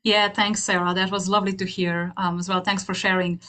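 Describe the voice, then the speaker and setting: A woman with a Slovenian accent speaks at a middle pitch. She addresses an online audience with a personal testimonial. Her delivery is earnest and emphatic, building on repeated phrases. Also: flat delivery, brisk, bright, forceful tone. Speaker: hypnotherapist speaking at an open house.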